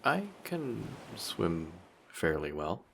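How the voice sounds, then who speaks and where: Very deep, smooth-talking flirty male sea monster acted by a man. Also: big pitch swings, extremely slow, a bit bright, slight background noise, heavily acted. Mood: teasing, curious. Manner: polite, formal, teasing, self-assured. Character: handsome flirty, vain sea monster posing as a male passenger. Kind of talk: scripted roleplay audio drama.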